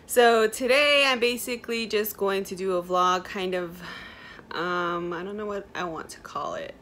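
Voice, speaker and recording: A woman's voice: medium pitch, a little slow, a bit bright, a little hiss or hum. A young woman with a Native American reservation accent, talking in a casual, informal, rambling vlog style. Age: young adult. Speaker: vlogger. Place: small room indoors.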